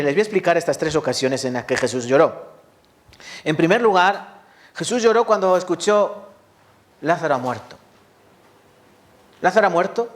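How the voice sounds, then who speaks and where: A man preaching a sermon to his congregation, often asking rhetorical questions and addressing the listeners directly. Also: fairly high pitch. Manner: rhetorical questions, lively rises and drops. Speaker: pastor.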